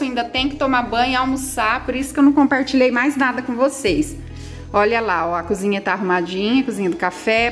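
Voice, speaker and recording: A talkative woman from Brazil walks her viewers through her tidy house, speaking in a fairly high voice and peppering everything with fond little words. She records on a phone held in her hand, so the sound is close and homely, with faint music in the background. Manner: chatty and affectionate, many diminutives, baby talk to her pets. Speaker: vlogger. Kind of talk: casual home vlog, talking to viewers. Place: small house, indoors and on the porch. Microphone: handheld phone.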